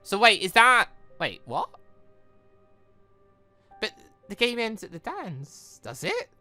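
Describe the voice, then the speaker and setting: A man giving casual, rambling and excitable commentary while playing a visual novel. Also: sits high, takes it slowly, soft background music. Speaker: gaming video host reading a visual novel aloud. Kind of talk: casual playthrough commentary with dialogue read aloud.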